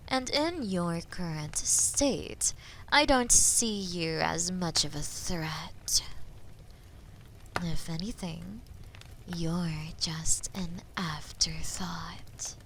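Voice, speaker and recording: Woman playing a slow, haughty, menacing dragoness. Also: fairly low pitch, expressive, fairly bright tone, a little hiss or hum, heavily acted, poor audio. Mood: condescending, menacing. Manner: taunting, condescending, theatrically slow and deliberate. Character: haughty, menacing female dragon toying with a captive knight. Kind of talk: scripted fantasy audio roleplay addressed to the listener.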